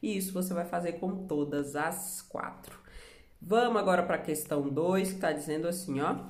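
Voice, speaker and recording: A woman's voice: on the low side, moderate pace, reverberant. A Brazilian woman teaching a remote lesson for children, patient, explaining step by step and asking the class questions. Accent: Brazilian Portuguese.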